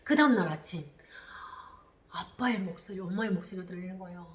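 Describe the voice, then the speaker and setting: A young woman from North Korea, a YouTuber, telling the story of her defection in an animated way, acting out shouts and cries and laughing as she goes. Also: on the low side, brisk, reverberant.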